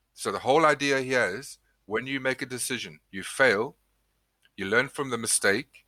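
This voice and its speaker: In a South African accent, a man talks at a moderate pace with a medium pitch, ordinary pitch variation and a bright, sharp tone. His loudness swings a lot, on a very clean recording with a silent background. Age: 40s. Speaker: company managing director. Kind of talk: podcast interview.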